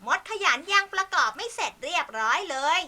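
A woman's voice: extremely high pitch, big pitch swings, brisk, pushed and bright, heavily acted. A woman voicing a prim, ladylike butterfly in a children's storybook play, fussing and chiding. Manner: fussy, lady-like.

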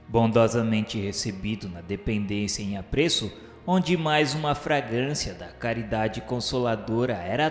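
A man's voice: mid-range voice, natural voice. Guy doing a brazilian radio drama ghost, solemn and full of remorse, very echoey, music behind. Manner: solemn, formal, declamatory. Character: remorseful male spirit of a suicide, solemnly recalling his suffering. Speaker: narrator character in a radio drama. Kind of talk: dramatic first-person narration of a religious radio novel.

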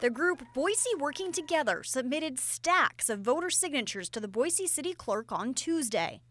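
A woman in her thirties delivering a live news report outdoors at night, in a clear, measured newscast manner. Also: sits high, big pitch swings, a bit bright, a little hiss or hum. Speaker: field reporter. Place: outdoors at night outside a library.

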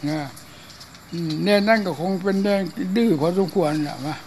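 An elderly monk gives a loose, chatty dharma talk, slipping into acted voices for his funny stories. His voice sits high for a man, with a faint hiss of noise under it. He is hard of hearing. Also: moderate pace, a little mellow. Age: older. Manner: chatty and humorous, acts out voices in anecdotes. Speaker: Buddhist monk. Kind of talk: informal dharma talk and storytelling.

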